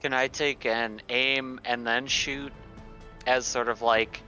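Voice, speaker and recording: A man's voice: medium pitch, little pitch movement, slow, pushed and bright, soft background music. A man playing a tabletop game, chatting casually and hesitantly as he thinks aloud.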